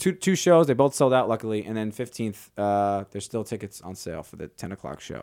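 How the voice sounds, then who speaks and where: With a New York accent and a fairly low voice, a man talks at a fairly quick pace with hardly any pauses, lively intonation and big swings in loudness, in a very clean recording with a silent background. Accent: New York (Staten Island). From New York, Staten Island. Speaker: comedian and actor. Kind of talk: casual chat.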